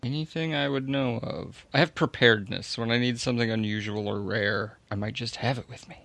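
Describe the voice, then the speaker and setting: A man's voice: mid-range voice, steady tone, brisk, a bit bright. A man taking part in a tabletop game, talking casually and hesitantly, a little off the microphone. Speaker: player on a tabletop game podcast.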